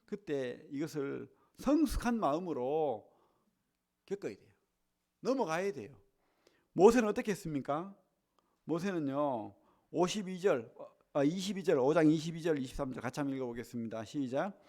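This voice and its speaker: Male pastor preaching, hushed then loud. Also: a little high, lively intonation, a little slow. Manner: conversational preaching with tag questions; swings between hushed and loud emphasis. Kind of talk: sermon. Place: church sanctuary.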